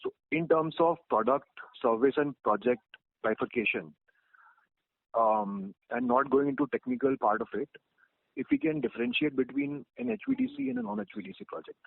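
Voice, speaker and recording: A man's voice: fairly high pitch, normal speed, gravelly, slightly rough, dry recording. A male analyst asking probing, polite questions on an earnings call. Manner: polite, probing, lively intonation. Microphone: phone line. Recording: dry tinny phone line.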